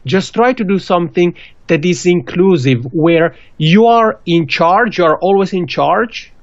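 A man's voice: high voice, animated, unhurried, no room sound. Swiss-accented man giving earnest advice. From Switzerland. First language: not English. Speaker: podcasting guest. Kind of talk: video call interview. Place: small indoor room. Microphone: studio mic with pop filter on a video call. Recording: dull, dry video call audio.

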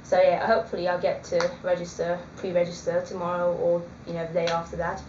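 A woman vlogger in her twenties chats casually to her webcam in a small indoor room, hesitating with many ums. Her voice is lowish, monotone, a little mellow, and fairly quick, while the echoey room and dull lo-fi webcam audio add a slight hiss or hum.

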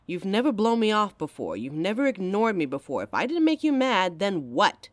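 A woman's voice: medium pitch, sing-song, moderate pace, dry recording, lightly acted. A woman playing a caring young adult girlfriend in an audio roleplay, talking intimately and emotionally straight to the listener on a close mic. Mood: hurt, confronting.

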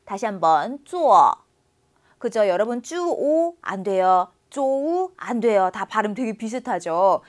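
A woman teaching a beginner Chinese lesson, modelling words slowly and encouraging learners to repeat after her. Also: medium pitch. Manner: encouraging, asks learners to follow along.

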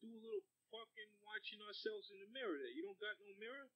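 A man's voice: high-pitched, animated, quick pace, fairly bright tone, rough recording. A man playing a lewd, pushy newlywed caller who drawls with hesitant fillers. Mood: sleazy.

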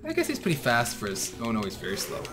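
A man's voice: medium pitch, huge pitch swings, fast. A young man co-hosting a let's play, bantering dryly and muttering while he plays. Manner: dry, joking, mutters while playing. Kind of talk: casual gameplay banter. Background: game music.

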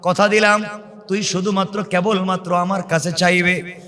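A man preaching a waz sermon, fervent, rising into high chanted cries and sung recitation. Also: flat delivery, moderate pace, bright, forceful tone, big-room sound.

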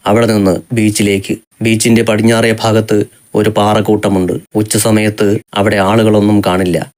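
A man telling a romantic story in steady, measured scripted narration. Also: fairly low pitch.

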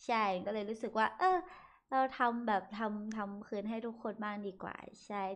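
A woman's voice: fairly high pitch, flat delivery, moderate pace. A young woman hosting a casual livestream, chatty and giggly as she reads comments aloud and thanks viewers. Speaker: livestream host reading chat.

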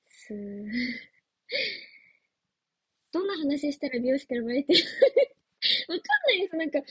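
Streaming live, a high-pitched young woman training as an idol answers viewer comments in a giggly, playful, casual way. The audio has no room sound.

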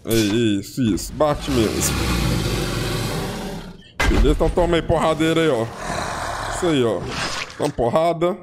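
Excitable Brazilian man narrating gameplay. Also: mid-range voice, very noisy. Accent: Brazilian Portuguese. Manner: excitable, chatty, repeats words in rapid bursts. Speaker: gaming channel host. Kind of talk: casual gameplay commentary. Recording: voice over game music and gunfire.

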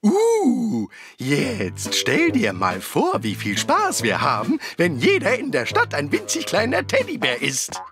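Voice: mid-range voice, huge pitch swings, slow, few pauses, heavily acted. An actor voicing a scheming, whiny bandit in a children's cartoon dub. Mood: gleeful scheming. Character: scheming, whiny bandit who covets magical pets. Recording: loud music behind the voice.

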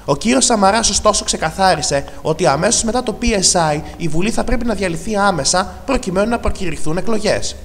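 A man reading a scripted television news report in an even, measured way. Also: high-pitched, big-room sound, slight background noise. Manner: even, measured reading of vote counts and names.

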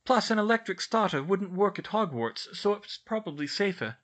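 A man voicing a clever young witch girl in a storybook, brisk, practical and reassuring. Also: high-pitched, big pitch swings, a bit bright, pitched above the performer's own voice, full character voice. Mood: explaining.

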